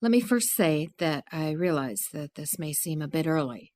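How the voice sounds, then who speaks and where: An earnest, chatty psychiatrist. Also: female voice, low-pitched, animated, moderate pace, darkish tone. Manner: friendly, explaining, rambling.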